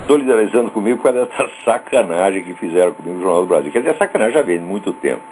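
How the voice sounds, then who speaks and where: A man's voice: low-pitched, lively intonation, very fast, a little hiss or hum, poor audio. Brazilian guy ranting on his show, cursing, sarcastic, voice jumping all over the place. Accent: Brazilian Portuguese. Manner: profane, scornful, sarcastic, shouts insults. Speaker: radio show host. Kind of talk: angry ranting monologue.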